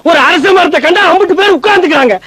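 A man's voice: very high voice, very fast, pushed and bright, no echo. A man delivering mocking, exasperated film comedy dialogue, scolding everyone around him. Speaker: comic film actor.

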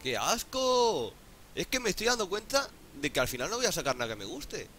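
Man, Spain Spanish accent, gaming commentary, lively swooping pitch, bright edgy tone, frequent swearing, faint background noise. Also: quick pace. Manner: excitable, swears a lot, pleads and exclaims. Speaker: gaming YouTuber. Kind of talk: casual gameplay commentary.

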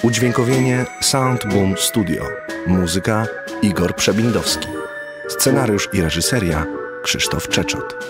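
A man with a very low, deep voice reading out credits in a measured, formal manner. Loud music runs under him. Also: expressive. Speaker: announcer. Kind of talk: credits announcement. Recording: over music.

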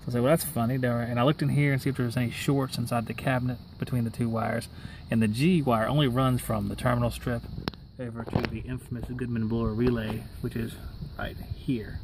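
A young adult man narrates a service call in a matter-of-fact way, talking through each step as he works. He records outdoors next to a running unit, so a steady machine hum sits under his voice. His voice sits in an ordinary middle pitch. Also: brisk. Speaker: HVAC technician. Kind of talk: on-the-job how-to narration. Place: outdoors beside a rooftop-style AC unit in a yard. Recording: outdoor camera audio with machine noise.

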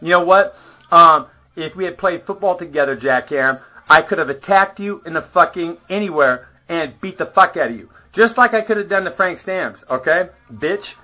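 Husky-voiced man ranting profanely. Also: a little high, animated, normal speed, bright, forceful tone, muffled recording. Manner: profane, boastful, laughs between phrases. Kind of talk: rambling rant to camera.

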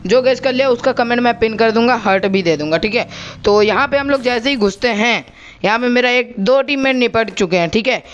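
A man's voice: extremely high pitch, fairly quick, a bit bright, smooth, muffled recording. A young man giving a chatty voice-over commentary on his own gameplay, talking straight to his viewers and asking them to comment. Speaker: gaming channel host.

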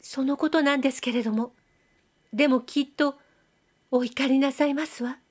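Brief: coy young girl with a soft nasal lilt, pitched high, as a woman reader puts her on. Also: steady tone, normal speed, lightly acted. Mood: coy, pleading. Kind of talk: audiobook reading.

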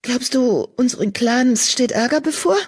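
A woman's voice: a little high, normal speed, darkish tone, breathy edge, voice pushed up. A woman voicing an eager young female apprentice cat in an audiobook. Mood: eager, worried. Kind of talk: audiobook character voice.

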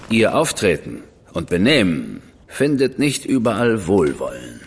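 A man's voice: lowish voice, big-room sound. An actor playing a stern, powerful government man in a radio drama, speaking in a curt, cool and commanding manner. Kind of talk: German studio radio drama acting.

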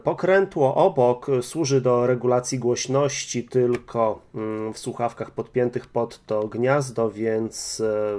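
A man's voice: mid-range voice, a little mellow, no room sound. A man demonstrating and reviewing a piece of gear in a casual, explanatory way. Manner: explanatory, measured. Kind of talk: casual product demo.

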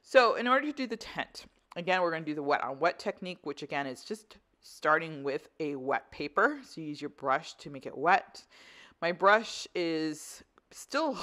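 A woman instructor with a low, slightly bright voice talks through an art tutorial. It's a casual voice-over craft tutorial, delivered in a conversational, explanatory way.

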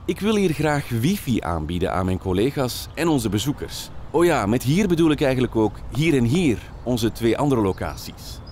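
A man's voice: mid-range voice, big pitch swings, moderate pace, a little mellow, slight background noise. A man with a Flemish accent reading a scripted commercial in a conversational way, speaking directly to the listener. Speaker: voice-over artist.

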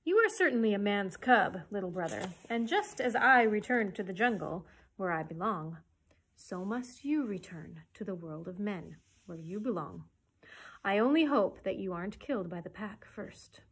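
A woman voicing a wise, protective male black panther from a storybook, speaking gently and earnestly with emphasis. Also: mid-range voice, expressive, normal speed, slightly rough. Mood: earnest, warning.

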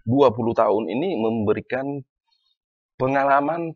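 A man from North Maluku, an academic guest, talking in a podcast discussion in an animated, questioning way. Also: medium pitch, unhurried, no echo, lo-fi sound. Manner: animated, questioning, often adds "ya kan?". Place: small podcast studio. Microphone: desk mic on stand.

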